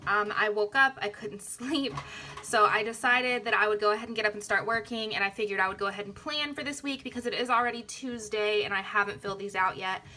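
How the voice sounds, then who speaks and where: A woman's voice: medium pitch, brisk, pushed and bright, a little hiss or hum. A young woman chatting casually through her planner setup at home, tired early in the morning, with a slightly strained voice and a rambling way of talking. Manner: chatty, rambling, self-interrupting. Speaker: planner vlogger and sticker shop owner. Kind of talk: casual plan-with-me chat. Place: home craft desk, indoors. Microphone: phone camera overhead. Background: printers running.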